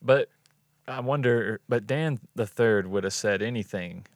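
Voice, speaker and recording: A man co-hosting a true crime podcast, chiming in with quick reactions and casual asides. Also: on the low side, no room sound, clean studio sound. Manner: short reactions, laughs easily, swears casually. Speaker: podcast co-host.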